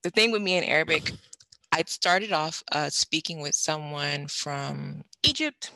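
Young woman, casual guest chat; bright, slightly gravelly, animated with fillers and laughter, dry close sound. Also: sits low, a little slow, no echo, rough recording. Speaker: guest language learner. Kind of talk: casual conversation.

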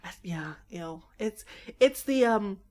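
A woman's voice: mid-range voice, lively intonation, slow, a little mellow. A woman co-hosting a podcast in casual chat, blunt and profane, joking a lot. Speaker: podcast co-host. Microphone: pop filter studio mic.

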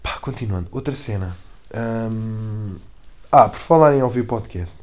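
A man's voice: fairly low pitch, a little slow, darkish tone. A young man with a European Portuguese accent, hosting his own podcast alone in a rambling, self-mocking, slangy way. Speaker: podcast host. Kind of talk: solo casual podcast monologue.

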